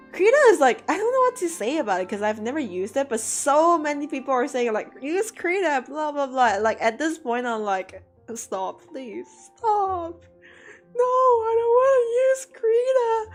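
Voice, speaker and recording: Animated, chatty woman streamer. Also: high-pitched, moderate pace, soft background music. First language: English. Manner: chatty and animated, mock-dramatic outbursts. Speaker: art streamer answering chat. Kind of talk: casual livestream chat.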